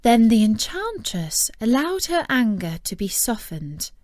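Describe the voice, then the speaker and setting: A woman's voice: fairly high pitch, sing-song, unhurried, darkish tone, no echo. A woman narrating a fairy tale as a storyteller reading from a script.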